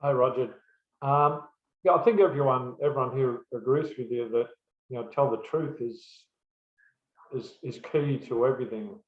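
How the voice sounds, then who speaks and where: A man's voice: medium pitch, moderate pace. A man asking a question in a webinar, who speaks hesitantly and starts with fillers. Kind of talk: hesitant question on a video call. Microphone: video call. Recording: roomy, phone-like call audio.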